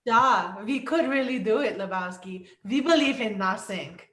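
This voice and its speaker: A woman's voice: medium pitch, normal speed, a bit bright, lightly acted. A woman playing a threatening, dim-witted nihilist henchman in a table read. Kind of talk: amateur virtual table read. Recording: echoey room.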